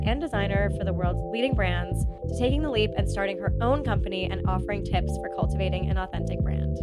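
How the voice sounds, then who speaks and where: A woman hosting a podcast, talking with gushing enthusiasm and lots of "like" while getting over a cold. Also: mid-range voice. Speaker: podcast host. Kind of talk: upbeat podcast intro and chat.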